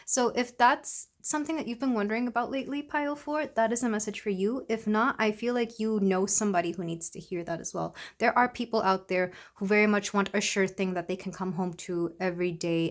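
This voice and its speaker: A woman's voice, a bit congested from a recent illness, drifts through a casual tarot reading. She talks softly at an ordinary mid pitch and rambles with fillers as she reads each card. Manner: soft, rambling, with many fillers. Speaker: tarot reader.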